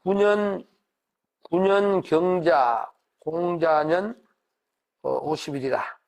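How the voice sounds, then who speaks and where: Lecturing in a university classroom, a middle-aged man from Korea's Gyeongsang region speaks extremely slowly in a creaky, slightly mellow voice on the high side, carrying a Gyeongsang accent. He engages the audience conversationally, asking questions and answering them.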